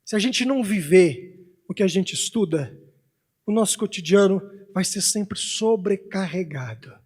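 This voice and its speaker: High-voiced man telling a heartfelt story. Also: lively intonation, a little slow, slightly rough. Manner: heartfelt, swings from hushed to loud. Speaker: speaker at a Spiritist congress. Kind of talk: emotional personal storytelling lecture. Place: conference hall stage.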